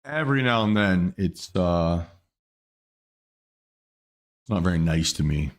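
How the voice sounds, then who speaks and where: A man's voice: sits low, lively intonation, measured pace. A man hosting a day trading livestream, casually thinking aloud through his trades with fillers and restarts, with the hiccups. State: has the hiccups. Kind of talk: live market commentary.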